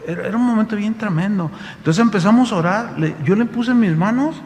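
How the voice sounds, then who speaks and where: A man's voice: high voice, fast talker, a little mellow, long reverb tail. A man, a pastor telling a story in his sermon and animatedly addressing the congregation directly.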